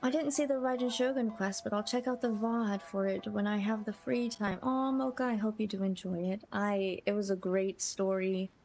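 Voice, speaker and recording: A woman hosting a livestream, chatting casually to her viewers in a gentle, appreciative way. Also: mid-range voice, fairly even intonation, moderate pace, hardly any pauses, slight background noise. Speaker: livestreamer host.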